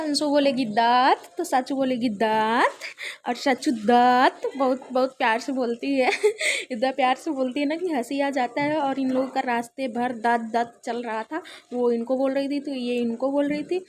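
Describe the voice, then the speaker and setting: Young woman, high voice, easy home-vlog chatter with frequent laughs, phone mic indoors. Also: moderate pace, slight background noise. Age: young adult. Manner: chatty, laughs often while talking. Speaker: vlogger. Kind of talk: casual home vlog chat.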